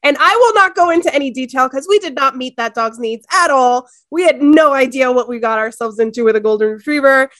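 A bubbly, chatty podcast host in her thirties, born in Ecuador, laughs easily during a casual chat. Her voice is high-pitched and fairly bright, she talks briskly with few pauses, and there's no room sound.

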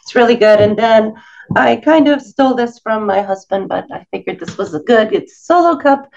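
Lively woman guest on dull lo-fi line. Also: a little high, normal speed, creaky. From Venezuela. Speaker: dog trainer guest. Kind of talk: casual interview chat.

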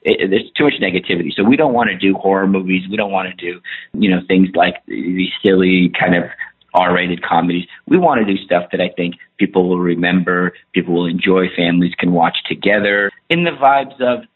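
A man's voice: deep voice, fairly quick, husky. A middle-aged man from Iran, a film producer and actor, chatting in a rambling, enthusiastic way as an interview guest. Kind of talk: casual interview talk. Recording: tinny phone line.

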